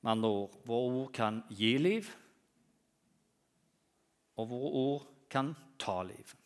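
Male guest preacher, animated storyteller, mid-pitched, loud then soft. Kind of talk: sermon with humorous anecdotes.

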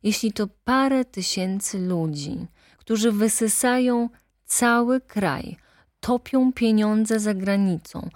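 A woman voicing a talkative older male lawyer who speaks in an animated, insistent way. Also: mid-range voice, takes it slowly, no echo, clean studio sound, voice pushed up, close to an everyday voice. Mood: persuasive.

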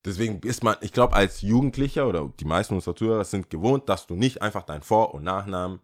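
Young male podcast co-host, low voice, casual storyteller who acts out the dialogue. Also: fast. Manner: lively storyteller, acts out quotes with jumps in pitch.

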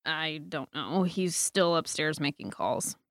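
A woman acts as a dry, sardonic young woman in an audio drama. Her voice is on the low side and closely recorded, with a deadpan, deflecting delivery. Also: takes it slowly, dry recording. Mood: wry.

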